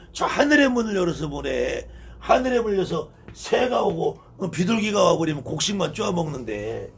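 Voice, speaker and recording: A man's voice: high-pitched, vocal fry. A man in his fifties, a shaman teacher, lecturing on ritual in an emphatic way, repeating key words and asking rhetorical questions. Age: 50s.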